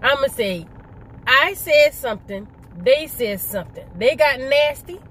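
A woman's voice: high voice, lively intonation, unhurried, a bit bright, slight background noise. A middle-aged woman chatting casually in a vlog, emphatic and fond of rhetorical questions and repetition. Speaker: vlogger. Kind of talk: casual mukbang conversation, storytelling.

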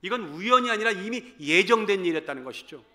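A man in his fifties preaching a sermon to a church congregation, animated, swinging between loud calls and hushed asides. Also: high-pitched, fast talker. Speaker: pastor. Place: church sanctuary.

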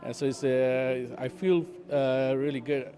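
A man from Pakistan giving a halting, cheerful street interview at a celebration. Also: mid-range voice, fairly even intonation, warm tone.

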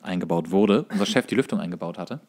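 A man's voice: sits low, fast talker, a little mellow. Young man swapping casual stories. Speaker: podcast co-host. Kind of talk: casual anecdote-telling chat.

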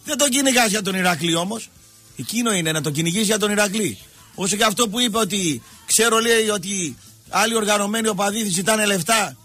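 A man's voice: high voice, bright, forceful tone, faint music behind. A man ranting as a football pundit on a radio show, stammering and slipping into a sing-song delivery. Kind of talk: heated radio sports rant.

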